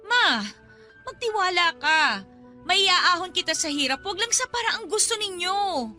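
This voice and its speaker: Earnest young daughter, piercingly high. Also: female voice, expressive, measured pace, sharp tone, full character voice. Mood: earnest, pleading. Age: young adult. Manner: emotional, earnest, protesting. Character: principled, upset young student daughter, earnest and defiant. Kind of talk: Tagalog radio drama acting. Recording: background music under dialogue.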